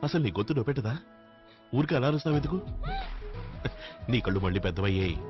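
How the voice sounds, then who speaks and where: A man playing a calm mysterious stranger. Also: mid-range voice, fast talker, natural voice. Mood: teasing. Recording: distant dull dub with music.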